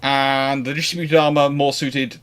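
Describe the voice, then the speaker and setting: Guy hosting a history q&a, mid pitched, rambles and rewords himself as he goes. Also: little pitch movement, fairly bright tone, soft background music. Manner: discursive, halting, often rephrasing mid-sentence. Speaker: naval history livestream host answering questions. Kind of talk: informal question-and-answer talk.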